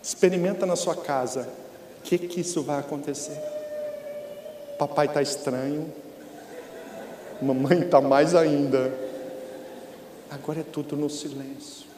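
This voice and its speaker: Brazilian male guest preacher, high-pitched and emphatic, in a roomy church with long reverb and faint noise. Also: unhurried, pauses often. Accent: Brazilian Portuguese. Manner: animated, emphatic, repeats phrases, drops to a hush for effect. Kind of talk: preaching talk. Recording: echoey church hall with faint room noise.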